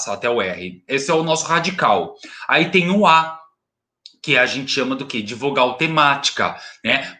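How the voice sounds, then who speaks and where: A Brazilian man teaches a recorded grammar lesson. His voice is bright and clear, at an ordinary pitch for a man. He asks questions and answers them himself, and he lingers on single words and repeats them. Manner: pauses on and repeats single words and word parts.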